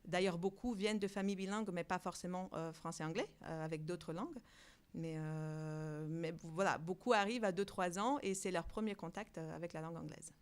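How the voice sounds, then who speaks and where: A woman who directs a bilingual preschool answers interview questions, pausing often with fillers and restarts. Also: on the low side, steady tone, clear, resonant tone. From outside Europe. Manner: hesitant, many fillers and restarts.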